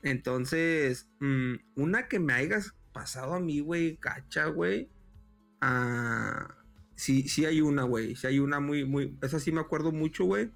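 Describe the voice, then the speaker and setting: A man, a father, telling an anecdote in relaxed, slangy casual chat. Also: a little high, a little slow, creaky, soft background music. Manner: relaxed, slangy, fills with "güey". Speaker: podcast co-host. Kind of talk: casual storytelling.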